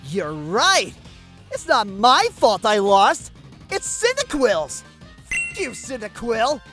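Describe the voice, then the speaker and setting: A woman's voice: fairly high pitch, huge pitch swings, takes it slowly, fairly bright tone, faint music behind, full character voice. Cocky, theatrical young villain boy, played by a woman. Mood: blaming, furious. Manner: grandiose, petulant, theatrical. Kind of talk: comedic fan-dub cartoon acting.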